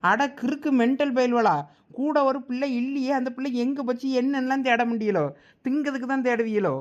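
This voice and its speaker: A woman with a Thoothukudi Tamil accent voicing a sharp-tongued, impatient village mother who scolds with scornful name-calling. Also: sits high, a little fast, muffled recording, voice pushed down, natural voice. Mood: scolding.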